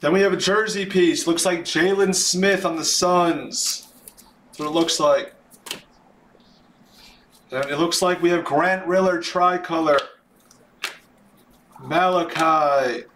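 A man hosting a live sports card break, announcing names in an excitable, drawn-out way, his voice starting to wear. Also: fairly high pitch. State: voice starting to give out. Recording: roomy echo, background noise.

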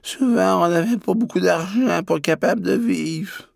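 A man plays a wistful old-timer with a creaky, raised voice, halting along in a dry recording. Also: high-pitched, dry recording, pitched above the performer's own voice. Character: wistful old person recalling hard times.

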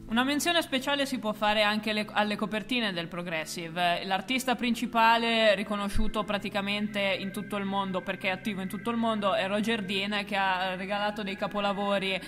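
Bright-voiced woman, deadpan explainer. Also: medium pitch, brisk, few pauses, big-room sound, soft background music. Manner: deadpan, ironic asides. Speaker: co-host of a music history video. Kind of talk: scripted explainer with playful banter.

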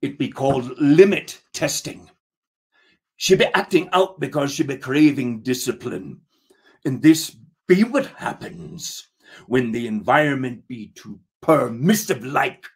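A man voicing a calm, preachy pirate mate who talks in pirate dialect and therapy-speak in a told story. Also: medium pitch, measured pace, close to an everyday voice. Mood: calm, reasoning. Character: Rotten Pete, calm, preachy male pirate first mate with a hook.

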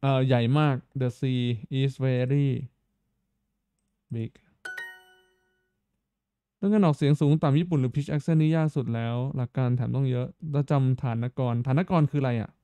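Smooth mellow male streamer thinking aloud. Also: mid-range voice, measured pace, long pauses, dry recording. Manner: thinks aloud, stammers and repeats words; talks straight to viewers, asking them questions. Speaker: live streamer and host. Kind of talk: casual live-stream chat while playing.

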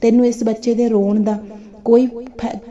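A woman voicing a calm, wise male holy man who lectures sternly as he judges a dispute. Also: on the high side, moderate pace, lightly acted. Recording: dull lo-fi recording.

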